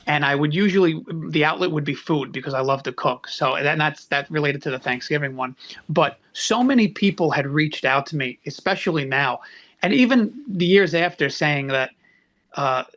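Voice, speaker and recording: A man's voice: fairly high pitch, moderate pace, fairly bright tone. A man in his thirties, a stand-up comedian, with a nasal voice, talking earnestly over a video call with many restarts. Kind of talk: casual interview chat.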